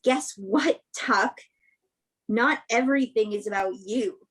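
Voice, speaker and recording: A woman's voice: medium pitch, slow pace, slightly rough. A woman acting a bitter, guarded young woman, confrontational and sarcastic, in a staged play reading. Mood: scornful, bitter.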